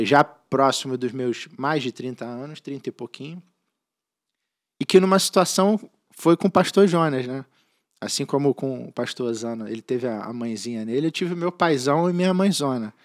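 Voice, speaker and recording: A man with a Brazilian Portuguese accent, a church member and podcast guest, telling his faith testimony in an earnest, heartfelt way, often restarting his sentences. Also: on the high side. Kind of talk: personal faith testimony in conversation.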